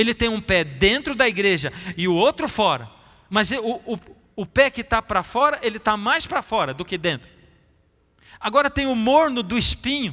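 A man's raised, projected voice, high for a man, bright and sharp in tone, with very wide pitch swings, a moderate pace, long and frequent pauses, and a quiet background. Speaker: preacher. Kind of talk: sermon. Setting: church. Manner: animated, conversational; rhetorical questions, audience-engaging. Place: church. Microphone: headset.

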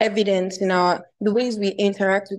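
Her intonation is monotone and flat. The woman is heard against a quiet background. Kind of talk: group discussion answer. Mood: reflective, earnest. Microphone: video call.

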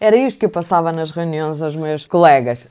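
This woman's voice is fairly low in pitch, with a dark, mellow tone. Her pitch variation is ordinary. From Portugal. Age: 50s. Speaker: YouTuber. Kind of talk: casual vlog talk. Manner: animated. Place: home room. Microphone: earbuds.

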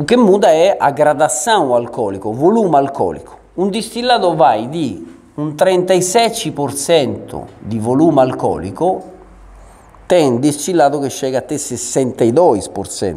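Speaking at a very slow pace, a man with a fairly high pitch and a dark, mellow tone shows vocal fry and very wide pitch swings. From Italy. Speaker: gelato instructor. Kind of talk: tutorial; lecture. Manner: halting. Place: classroom.

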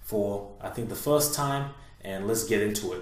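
With audible room echo around it, the speech moves at a moderate pace with ordinary pitch variation. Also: man. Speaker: self-improvement vlogger. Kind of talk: casual vlog chat. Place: home room.

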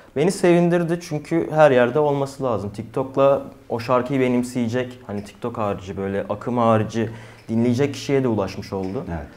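With hardly any pauses, a man keeps talking. His pace is fairly quick. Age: 20s. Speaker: rapper. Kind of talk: casual interview. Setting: studio. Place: studio. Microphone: lapel.

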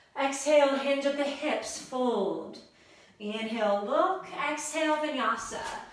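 Amid light background noise and audible room echo, a woman speaks at a fairly slow pace in a high pitch with ordinary pitch variation. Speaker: yoga teacher. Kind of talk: guided yoga instruction. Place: home room.

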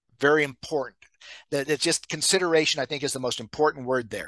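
Fairly high-pitched male voice in an American accent, with ordinary pitch variation, a dry sound with no echo and a quiet background. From US Midwest. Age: 60s. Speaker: birder and naturalist, retired extension agent. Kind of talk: webinar presentation. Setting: video call. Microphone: webcam.

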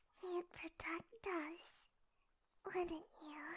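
Very slowly and soft-spoken, the speaker talks against a quiet background. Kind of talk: sleep roleplay monologue. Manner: soft, hushed sleepy-time little-sister voice.

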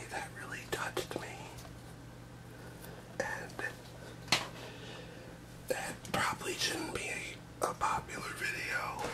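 A man at a very slow pace, with long, frequent pauses. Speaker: ASMR creator. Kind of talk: ASMR whispering, casual talk to camera. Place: home room. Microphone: webcam.

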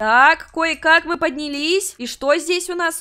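At a moderate pace, a woman speaks in a raised, projected voice. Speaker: game streamer. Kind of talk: gaming commentary. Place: home room. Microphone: studio mic.

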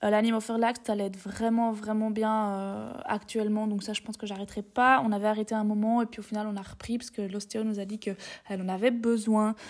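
A woman talks at a fairly quick pace in a fairly high voice. Her intonation stays flat and monotone. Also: very clean recording, silent background. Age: 20s. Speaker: horse owner. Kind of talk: voice-over explanation.

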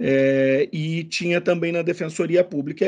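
Against a quiet background, a man speaks in a dark, mellow tone at a fairly high pitch with ordinary pitch variation. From Santa Catarina, Brazil. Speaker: public prosecutor; guest. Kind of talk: interview. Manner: halting, many repetitions and fillers. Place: home room. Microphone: video call.

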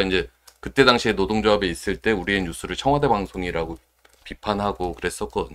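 A man with a fairly low voice speaks with lively intonation and audible vocal fry. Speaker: broadcast journalist and union leader. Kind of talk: interview. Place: studio. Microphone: studio mic.

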